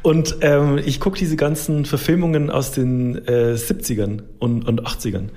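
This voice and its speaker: A man's voice: medium pitch, steady tone, unhurried, mellow. A man chatting casually and humorously as a podcast co-host, informal and enthusiastic.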